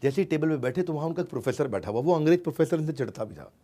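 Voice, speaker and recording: A man telling an inspiring story in a lively, rising-and-falling way, with a slightly high voice. He repeats phrases for effect and keeps tossing in small tag fillers as he goes. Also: rapid-fire. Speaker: motivational storyteller. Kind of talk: storytelling talk.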